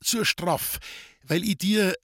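A man's voice: high-pitched, slow pace, fairly bright tone, husky, no echo, studio quality, voice pushed up, full character voice. Man doing an earnest young Bavarian fisherman. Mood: pleading. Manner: earnest, pleading dialect speech.

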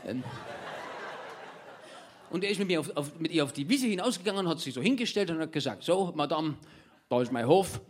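A man tells a story fast and stumbles through restarts. He has a high voice with a husky grain. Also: expressive. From Unterallgäu, Swabia. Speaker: cabaret artist.

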